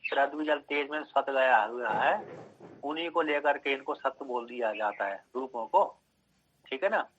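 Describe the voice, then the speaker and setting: In a dull lo-fi recording, a scripture teacher with a husky, slightly bright mid-range voice lectures expressively at a moderate pace. He works through the material step by step, repeating phrases and posing short questions to confirm his listeners understand.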